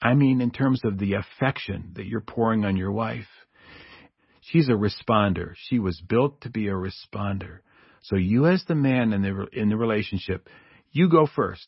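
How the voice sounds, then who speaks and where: An unremarkable speaking voice, a man's, fairly low in pitch with ordinary pitch variation at a moderate pace. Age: 60s. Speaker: author. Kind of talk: interview discussing marriage.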